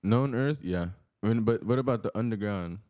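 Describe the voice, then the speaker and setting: Low, smooth man talking casual Spanglish. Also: normal speed, a little mellow, no echo, studio quality. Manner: Spanglish, switching between English and Spanish. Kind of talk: casual podcast banter.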